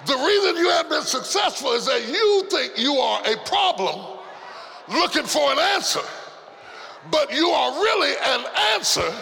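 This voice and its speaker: A man's voice: very high voice, sing-song, unhurried, gravelly. A man preaching a rousing revival sermon in a roaring, rallying way, exhorting the congregation with emphatic repetition. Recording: live sermon over music and crowd noise. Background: music and congregation.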